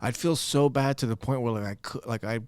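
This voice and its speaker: Man, deep voice, middle-aged, loud and cursing, podcast chat, dry room. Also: a little fast, clean tone, dry recording. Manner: loud, profane, animated storyteller. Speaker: podcast host.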